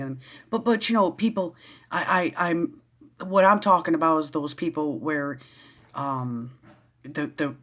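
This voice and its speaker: Woman vlogger, casual read-aloud with riled, rambling asides. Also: low-pitched. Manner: rambling, easily riled, many restarts. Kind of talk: casual reading and commentary.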